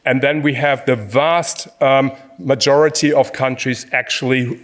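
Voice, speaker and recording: A man talks through his slides at a conference, his sentences broken up by frequent "um"s and "uh"s. His voice sits at an ordinary middle pitch for a man. He speaks in short, halting bursts and keeps restarting his phrases. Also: steady tone, a bit bright. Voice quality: hesitant, frequent fillers. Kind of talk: conference presentation.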